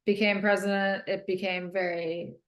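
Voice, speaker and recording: A woman, a guest author, answering an interview question in an earnest, halting way with frequent ums. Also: medium pitch, little pitch movement, reverberant.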